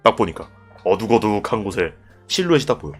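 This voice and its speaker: A young man tells an army story to his live chat in a lowish, somewhat husky voice. He swears freely and swings widely in pitch, breaking into loud bursts when he acts out the scene. Faint music plays behind him. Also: big pitch swings, quick pace. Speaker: streamer telling army stories.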